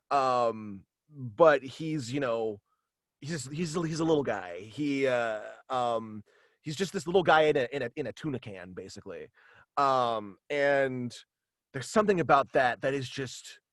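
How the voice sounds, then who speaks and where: A man's voice: medium pitch, no room sound, clean studio sound. A man chatting casually as an interview guest on a home video call, talking in a hesitant but enthusiastic way. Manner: hesitant, enthusiastic, chuckles often. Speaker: guest, writer of a superhero radio play.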